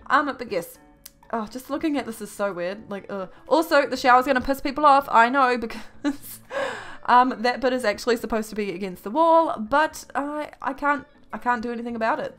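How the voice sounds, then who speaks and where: A woman's voice: on the high side, normal speed, fairly bright tone. A young woman doing casual, chatty YouTube gaming commentary in a rambling, self-deprecating way with blunt, mild swearing. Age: young adult. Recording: music behind the voice. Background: music.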